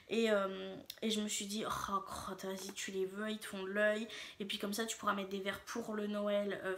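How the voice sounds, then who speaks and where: A woman's voice: mid-range voice, a bit bright, a little hiss or hum. A woman talking casually to her viewers in a shopping haul vlog, chatty and rambling, with frequent hesitations and fillers. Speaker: vlogger.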